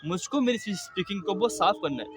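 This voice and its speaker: Young man with a high throaty voice. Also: lively intonation, soft background music. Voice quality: throaty, slightly thick voice. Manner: speaks slowly and deliberately, with occasional stammers. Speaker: vlogger. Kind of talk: casual personal vlog monologue.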